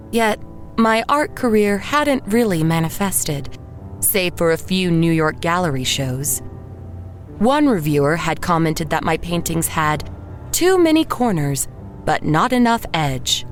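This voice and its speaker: A slightly low-voiced woman tells her own story as a resigned, uneasy artist. Her delivery is measured and literary, in the manner of an audio drama, with music underneath. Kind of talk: first-person scripted audio drama narration. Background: music behind the voice.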